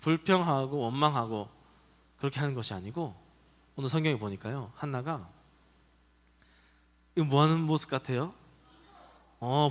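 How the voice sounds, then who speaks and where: A man pastor leads a children's service, telling a Bible story with lots of questions to the kids. His voice is high and bright and swings widely in pitch. It rings out in a reverberant hall. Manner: animated, asks children questions and acts out voices. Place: church children's worship hall.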